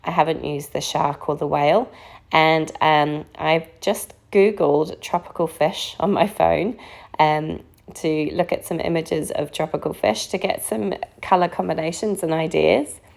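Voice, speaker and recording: A woman with a croaky voice from a recent illness, narrating a casual card-making tutorial in a relaxed, chatty way. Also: low-pitched, measured pace. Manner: relaxed, chatty, frequent ums. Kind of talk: casual craft tutorial voice-over.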